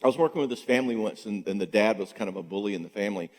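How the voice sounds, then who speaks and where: An older male psychologist gives a rapid-fire, animated talk to a church audience at a marriage conference, his lowish voice ringing with the long reverb of a sanctuary. He poses rhetorical questions and shifts into higher voices to act out quotes.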